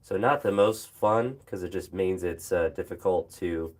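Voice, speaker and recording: Deep-voiced hoarse man, halting vlog chat. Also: a little mellow. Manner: halting, many fillers and pauses. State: hoarse with phlegm, throat sore. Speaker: phys ed teacher. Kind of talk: casual vlog chat while training.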